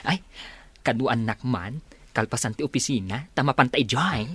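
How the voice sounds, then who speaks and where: A woman voicing a campy, excitable, flirtatious gay man in an Ilocano comedy radio drama. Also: very deep voice, moderate pace, husky, dry recording, exaggerated voice. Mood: gushing.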